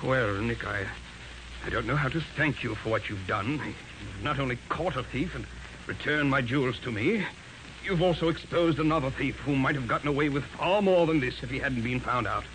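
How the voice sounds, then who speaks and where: Male actor, puzzled businessman, middle pitch, hesitant, 1940s radio drama, noisy vintage sound. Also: a bit bright, lightly acted. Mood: grateful. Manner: hesitant, halting.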